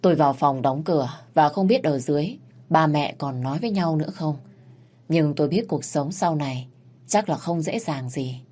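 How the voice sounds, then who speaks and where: Low-voiced woman narrating calmly. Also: moderate pace. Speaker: storyteller. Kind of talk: first-person story narration. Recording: faint music underneath.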